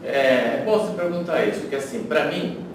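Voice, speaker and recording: A man's voice: a little high, moderate pace. São Paulo man in a very echoey room. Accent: São Paulo Brazilian Portuguese. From São Paulo, Brazil. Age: middle-aged. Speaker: interview guest. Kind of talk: conversational career reminiscence. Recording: very echoey, noisy room, distant microphone.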